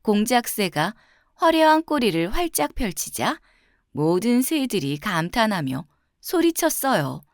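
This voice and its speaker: Expressive woman reading children's fairy tales. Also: mid-range voice, a little slow, dry recording, studio quality. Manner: expressive, clearly phrased storytelling. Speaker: children's storyteller. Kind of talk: scripted fairy-tale narration for children.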